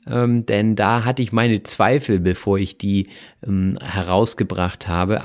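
A man from northern Germany hosting a language-learning podcast, commenting on listener messages in a friendly, reflective way with frequent fillers. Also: on the low side. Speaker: podcast host.

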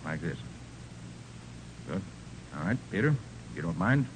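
An actor playing a brisk, confident male private detective in a 1940s radio crime drama. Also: sits low, big pitch swings. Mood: authoritative. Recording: noisy 1940s radio recording.

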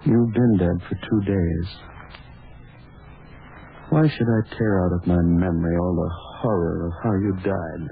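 A man's voice: sits low, fairly even intonation, a little slow, gravelly, long pauses. An actor playing a brusque man who turns anguished and breathless with horror and grief, in 1940s radio acting. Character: gruff, impatient man driven to horror and grief. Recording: scratchy tinny old radio broadcast.

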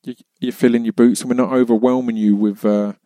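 A man's voice: medium pitch, little pitch movement, quick pace, mellow, no echo. A British man hosting a podcast, chatting casually in a rambling, self-deprecating way. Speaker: podcast host. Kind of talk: casual chat.

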